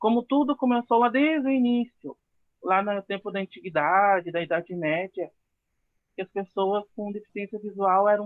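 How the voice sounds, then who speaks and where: Lively intonation marks this woman's speech. She talks at a moderate pace and medium pitch. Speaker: psychology student and Braille instructor. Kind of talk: talk in an online panel discussion.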